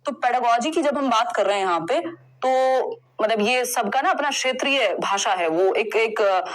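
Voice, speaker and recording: A woman's voice: fairly high pitch, lively intonation, normal speed, low-quality recording. A young woman teaching an exam-prep lesson in a conversational, reassuring way, mixing English terms into her speech. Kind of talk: online lesson, explaining test answers.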